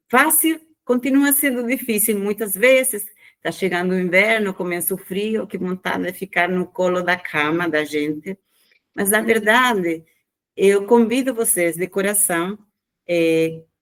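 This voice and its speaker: Speaking at a fairly slow pace, a woman with a medium pitch uses lively intonation. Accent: Spanish. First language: Spanish (speaking Portuguese). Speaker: spiritual study group leader. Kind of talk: devotional talk to study group.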